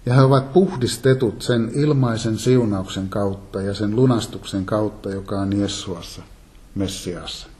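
A man giving a calm, measured Bible teaching sermon, reading and explaining scripture. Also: fairly low pitch. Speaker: preacher.

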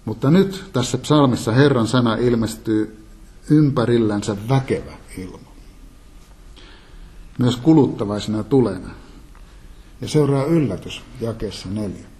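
A man giving a calm, measured Bible teaching sermon, reading and explaining scripture. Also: medium pitch. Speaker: preacher.

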